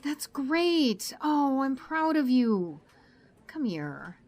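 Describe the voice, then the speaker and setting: An actress playing a caring, principled doctor in an audio drama, earnest and gently firm. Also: female voice, fairly high pitch, very animated, unhurried. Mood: hurried, affectionate. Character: caring, principled woman doctor, torn by duty.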